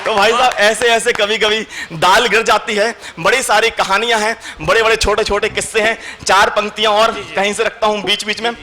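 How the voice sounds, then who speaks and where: High, bright-voiced man doing stage comedy. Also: a little fast, hardly any pauses. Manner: animated, acts out voices in anecdotes. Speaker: stage poet. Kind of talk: comic storytelling and poetry recital. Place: stage at an indoor event hall.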